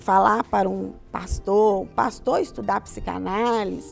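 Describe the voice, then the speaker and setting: Slightly slow, a woman speaks at a fairly slow pace. Music plays faintly behind her. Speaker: guest. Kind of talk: interview answer. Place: studio.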